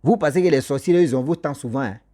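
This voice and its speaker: Speaking quickly at medium pitch with a dark tone, this male social commentator lectures his viewers directly. It's a moralizing monologue to camera, full of scolding and repeated points.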